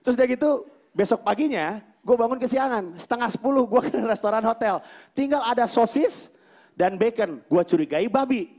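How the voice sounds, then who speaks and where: A man performing stand-up comedy on stage, telling his story in an animated way and acting out the dialogue. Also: extremely high pitch, moderate pace. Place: comedy stage before a live audience.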